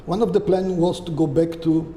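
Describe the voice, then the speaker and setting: An older man with a Polish accent, answering interview questions in a halting way and often checking in with "okay?" or "right?". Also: on the high side, fairly even intonation, mellow. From Poland. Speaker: guest. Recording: echoey room with long reverb and faint hiss.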